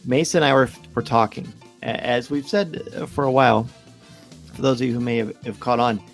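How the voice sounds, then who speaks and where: A man's voice: medium pitch, brisk, soft background music. A middle-aged man hosting a casual fan discussion in an enthusiastic way. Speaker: podcast host.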